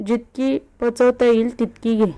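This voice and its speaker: A woman's voice: a little high, flat delivery, measured pace, mellow, clean tone. A woman voicing a bossy, protective young woman who hosts a party, speaking in a commanding, coaxing way. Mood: breezy.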